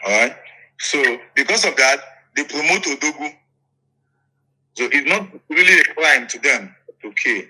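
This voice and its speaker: A man's voice: mid-range voice, lively intonation, a little slow, pauses often, bright, forceful tone, poor audio. A man with a Nigerian accent telling his account in an interview, emphatic, repeating phrases and checking that his listener follows. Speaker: interviewee, politician. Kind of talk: interview storytelling.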